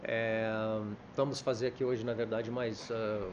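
This man speaks at a fairly quick pace and a medium pitch. There is noticeable background noise. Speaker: debate moderator, political science professor. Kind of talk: moderating an academic panel.

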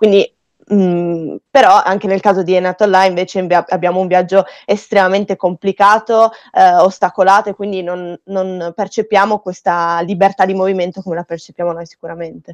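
In a quiet background with a dry sound and no echo, a woman speaks at a moderate pace with monotone, flat intonation. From Trieste; Italy. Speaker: youth association host. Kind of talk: interview; interview hosting, casual. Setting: video call. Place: home room. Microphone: video call.

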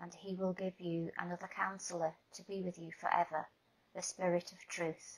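Speaking at a moderate pace, the woman has a fairly low pitch and fairly even intonation. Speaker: scripture reader. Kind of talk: reading aloud. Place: home room. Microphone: webcam.

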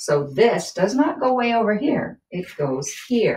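A woman's voice sounds somewhat breathy. Her pitch swings very widely. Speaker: teacher. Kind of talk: calendar lesson for young children. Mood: warm, encouraging, sing-song. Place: home room. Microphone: camera far.

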